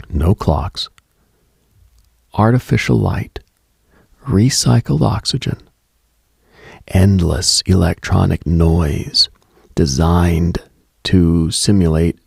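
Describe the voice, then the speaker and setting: Very deep, gravelly male late-night radio host. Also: dry recording, clean studio sound. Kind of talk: scripted reflective late-night radio monologue.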